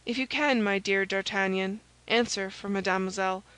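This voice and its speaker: A woman voicing a discreet, courteous gentleman musketeer in a storybook, polite and measured. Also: mid-range voice, dry recording, lightly acted, poor audio.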